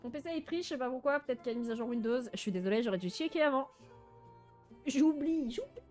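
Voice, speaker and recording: A woman giving casual, animated live commentary while playing a video game, with a playful, teasing, mock-boastful manner. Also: high-pitched, fast talker. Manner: animated, frequent laughing and exclaiming. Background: game music.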